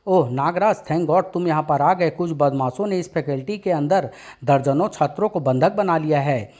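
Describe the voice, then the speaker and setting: A man's voice: fairly high pitch, moderate pace, a little mellow, lightly acted. An anxious male official from a narrated comic story, voiced by a man. He explains a hostage crisis in a worried, urgent way.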